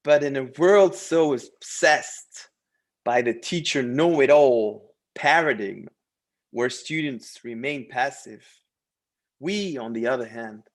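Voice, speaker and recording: Slow-paced man presenting a language course. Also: medium pitch. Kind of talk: promotional course presentation, partly read aloud.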